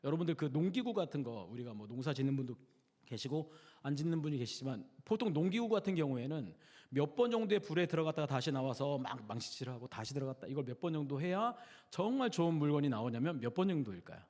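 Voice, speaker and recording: A man's voice: fairly high pitch, big pitch swings, quick pace, a little mellow. A man preaching a Wednesday sermon in a conversational way, often putting questions to the congregation. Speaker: pastor. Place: church sanctuary. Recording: long church hall reverb.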